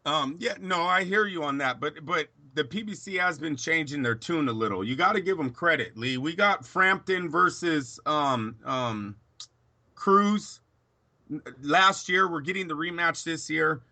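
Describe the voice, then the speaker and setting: A man talking boxing in a casual chat, opinionated, in quick bursts with fillers and restarts. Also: a little high, lively intonation, pushed and bright. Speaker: boxing pundit.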